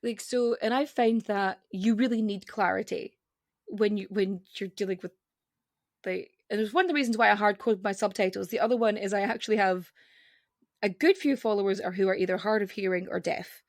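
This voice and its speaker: A woman guest with a regional accent on a podcast, chatting casually and rapidly, cutting herself off with fillers. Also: medium pitch, no room sound, studio quality. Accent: non-standard regional accent. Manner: rapid, self-interrupting, with frequent fillers.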